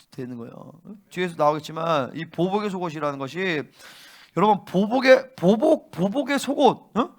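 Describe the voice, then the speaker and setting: A male pastor preaching a fervent sermon and often pressing his listeners with quick questions. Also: sits high, fairly bright tone. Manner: fervent, keeps prompting listeners with "응?".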